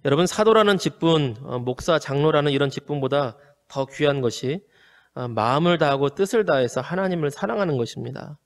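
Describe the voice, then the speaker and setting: A male pastor preaching an earnest, measured sermon with frequent hesitant fillers. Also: a little high, expressive, big-room sound. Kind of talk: home worship sermon.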